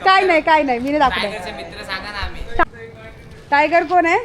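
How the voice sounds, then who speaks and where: Woman vlogger, very high pitch, chatty and loud with her dog, over crowd chatter. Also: lively intonation, moderate pace. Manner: scolding, affectionate, calls out loudly. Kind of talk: casual vlog talking to her dog and viewers. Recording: busy crowd noise behind.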